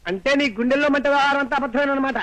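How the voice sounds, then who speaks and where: An actor playing a joking young student who teases his friend in rapid banter, on an old film soundtrack with music behind. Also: very high-pitched, fairly even intonation, a bit bright. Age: young adult.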